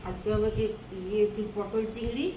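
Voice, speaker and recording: A woman's voice: on the high side, level tone, moderate pace, music in the background. A middle-aged woman giving brief matter-of-fact answers while cooking at home. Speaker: vlogger's mother, cooking. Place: home kitchen. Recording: echoey, distant, loud kitchen noise.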